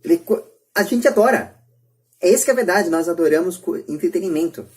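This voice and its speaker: Earnest brazilian guy on a podcast, bit high and husky, talks in short bursts, repeats himself. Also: expressive, a little fast, darkish tone. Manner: earnest, repetitive, speaks in short phrases. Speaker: podcast debate participant. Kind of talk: casual opinionated podcast talk.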